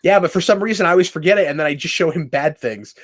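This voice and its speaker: A man co-hosting a casual commentary chat, playful and animated, sometimes shouting silly character voices. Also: on the high side, fast talker. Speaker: podcast co-host.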